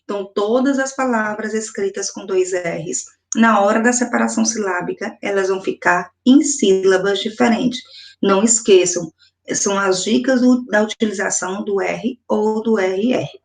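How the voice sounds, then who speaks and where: A woman's voice: medium pitch, gravelly. Brazilian woman teaching first graders. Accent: Brazilian Portuguese. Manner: slow, emphatic, repeats example words. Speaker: primary school teacher. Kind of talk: video lesson for first graders.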